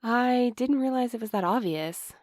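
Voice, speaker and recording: A woman playing an anxious, apologetic young postal worker in a fiction podcast, earnest and halting in her delivery. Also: on the high side, lively intonation, darkish tone, no echo, clean studio sound, lightly acted. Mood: anxious, defensive. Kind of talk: fiction podcast audio drama acting.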